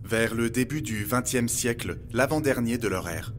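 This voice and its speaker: A man playing an electronic encyclopedia with an empathy module, a measured, learned guide in a scripted audio drama. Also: mid-range voice, animated, slight background noise, close to an everyday voice. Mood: grave, explanatory. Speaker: narrator and guide. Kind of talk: scripted audio fiction, documentary narration. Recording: music under the voice. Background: music.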